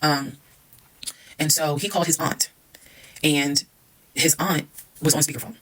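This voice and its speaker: A woman's voice: deep voice, steady tone, unhurried, a bit bright, rough recording. A woman telling a dramatic personal story straight to her viewers in a casual, emphatic storytime style.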